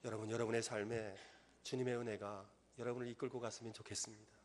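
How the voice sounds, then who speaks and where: A middle-aged man preaching a sermon as pastor in a church, earnest, rising to loud emphatic peaks. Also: fairly low pitch, flat delivery, fast, slight background noise. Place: church sanctuary.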